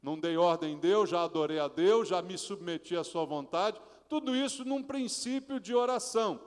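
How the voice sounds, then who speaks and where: A male pastor from Brazil preaching a sermon, asking the congregation questions and acting out prayers in a hushed, pleading voice. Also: sits high, moderate pace. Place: church sanctuary. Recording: reverberant church hall.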